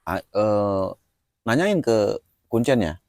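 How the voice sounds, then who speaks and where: A man's voice: lowish voice, big pitch swings, slow pace, a little mellow, no echo, studio quality. A man hosting a casual chat, prompting with short questions and murmured agreement.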